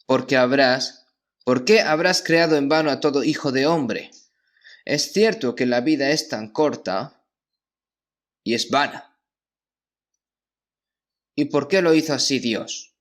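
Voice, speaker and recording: A man of medium pitch preaches in a church, reading out verses and stopping to explain them. His delivery is measured and unhurried, and he keeps checking in with his listeners through short questioning tags. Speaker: pastor. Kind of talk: sermon.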